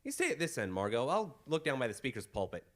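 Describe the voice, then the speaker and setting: Man playing a bold, bright-voiced gentleman detective. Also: medium pitch, very animated, fast talker. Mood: composed, probing. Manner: commanding, formal, theatrical. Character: bold, confident gentleman detective investigating mysteries. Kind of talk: old-time radio mystery acting.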